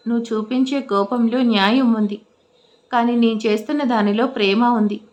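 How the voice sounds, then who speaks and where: A woman doing an older father in an audio story, measured and firm. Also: a little high, steady tone, darkish tone, muffled recording, close to an everyday voice. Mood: regretful. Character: stern but caring older father.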